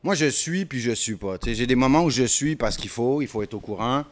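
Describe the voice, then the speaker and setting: A man's voice: mid-range voice, fairly quick. A man with a Haitian-tinged French accent, a rapper telling stories in a casual interview, dropping English phrases. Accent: Haitian French mixed with Quebec French. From Montreal. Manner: animated storytelling, mixes English phrases. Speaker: rapper guest.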